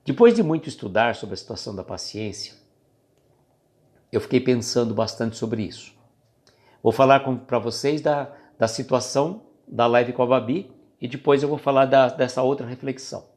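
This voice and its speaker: A Brazilian Portuguese-accented man reflects casually on spiritual matters for live-stream viewers, talking at a normal speed with a darkish tone. He has an average middle pitch and a chatty style that occasionally drifts.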